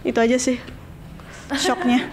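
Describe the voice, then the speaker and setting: A woman's voice: high-pitched, a little slow, slight background noise. A young woman from Medan with a Batak accent, talking earnestly and expressively as a podcast guest. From Medan, North Sumatra. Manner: earnest, expressive, laughs easily. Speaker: guest singer. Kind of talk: casual podcast chat.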